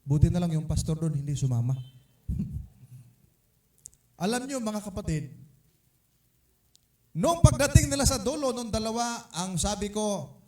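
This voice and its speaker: A man preaching a sermon, telling a story with animated, sudden loud emphasis. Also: high-pitched, unhurried, long pauses. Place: church hall. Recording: echoey church room from far off.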